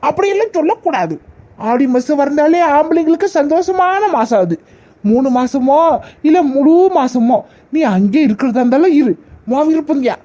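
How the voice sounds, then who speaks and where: A woman's voice: high voice, lively intonation, moderate pace, dark tone. A woman voicing a grown husband in a cartoon comedy, speaking with a Kanyakumari Tamil accent, pleading and later smug. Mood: consoling. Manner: pleading, then smug and gloating. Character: grown husband, clingy then gleefully relieved.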